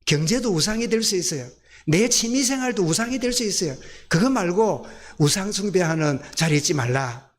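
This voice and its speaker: Male pastor, gyeongsang accent, high voice, folksy sermon, quizzes the congregation. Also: lively intonation, a little fast. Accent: Gyeongsang Korean. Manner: folksy, asks the congregation questions.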